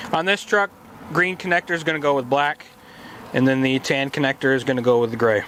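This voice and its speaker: Over noticeable background noise, a man with a fairly high voice talks very fast at a very even loudness. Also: ordinary pitch variation. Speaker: auto vlogger. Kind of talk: tutorial. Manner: casual.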